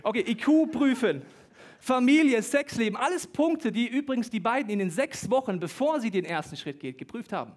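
A high-voiced young man gives a sermon as a pastor, with quick jokes and an animated, playful delivery. He sometimes rushes ahead faster than his thoughts. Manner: lively, joking, talks fast at times.

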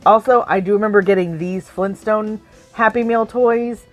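Excitable woman co-host, 30s, giggly collector chat, faint music behind. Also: mid-range voice, moderate pace. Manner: excitable, giggly, squeals when surprised. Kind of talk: casual chat. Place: home collection room with shelves.

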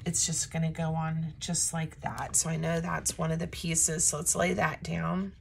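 A woman talking through a paper craft tutorial in a casual, chatty way, her voice a bit raspy from a coming cold. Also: sits low, little pitch movement, normal speed, a little hiss or hum. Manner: chatty and self-deprecating, talks while working. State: slightly raspy from a starting cold. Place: crafting desk indoors, filmed from above.

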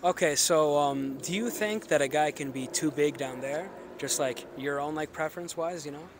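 A man's voice: fairly high pitch, moderate pace, background noise. A young man hosting a casual outdoor street interview, asking rambling, filler-heavy questions into a handheld phone and laughing often. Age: young adult. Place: outdoors on a college campus. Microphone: phone held in hand.

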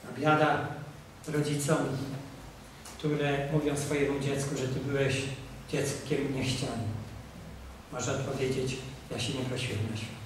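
An older priest seated at a conference table lectures on marriage at a measured pace, his medium-pitched voice level, with long pauses. He is emphatic and exhorting, swinging between loud appeals and quiet asides. A table mic and a camera across the room capture him distantly in a very echoey room with faint noise.

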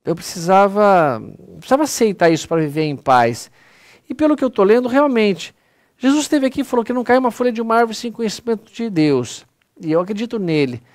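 A man's voice: high voice, animated, fairly quick, no room sound, studio quality. A man with a Brazilian accent giving an earnest, conversational spiritist lecture online, often calling his audience "pessoal". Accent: Brazilian Portuguese.

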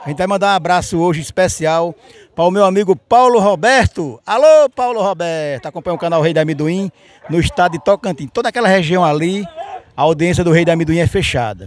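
At an outdoor dirt-lot livestock market full of trucks, a higher-voiced Northeastern Brazilian man hosts and reports for a casual on-location vlog. He comments and interviews people, addressing them familiarly and repeating stock catchphrases.

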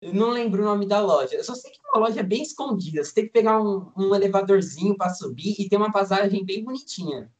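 A high-voiced Brazilian man, nineteen and a student guest, talks fast with few pauses in a casual interview. His manner is relaxed and meandering, heavy with fillers such as "tipo" and "assim."

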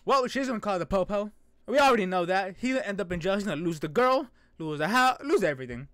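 A man's voice: high-pitched, expressive, quick pace, a bit bright, no room sound, clean studio sound. A young man hosting a reaction video with casual, playful, joking and exclamatory commentary. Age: young adult. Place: small indoor room.

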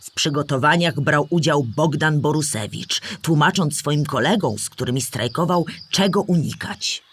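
An actress playing a storyteller who explains history to children in measured, articulate scripted narration. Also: female voice, low-pitched, husky, no echo. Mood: explanatory, measured. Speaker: narrator of a children's audio drama.

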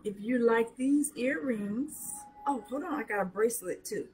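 A middle-aged woman with a hoarse voice, chatting casually as she shows jewelry to a webcam in a small room. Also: fairly high pitch, a little mellow, faint music behind, rough recording. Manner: chatty, slow, showing items up close. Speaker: jewelry seller. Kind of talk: live sales show chat. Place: small decorated room indoors. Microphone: webcam at arm's length.

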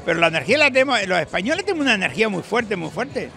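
A man's voice: high-pitched, sing-song, racing, creaky, sharp tone. An older man with an Andalusian accent, chatting in a rambling, folksy, emphatic way in an outdoor interview at night. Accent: Andalusian Spanish. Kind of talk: casual chat. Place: beach bar terrace at night, outdoors. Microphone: handheld mic held by interviewer. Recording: music and crowd faintly behind.

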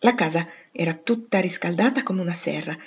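Woman reading a classic novel aloud, expressive and steady, a bit muffled lo-fi. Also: on the low side, brisk, slightly rough. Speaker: audiobook reader. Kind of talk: storybook narration.

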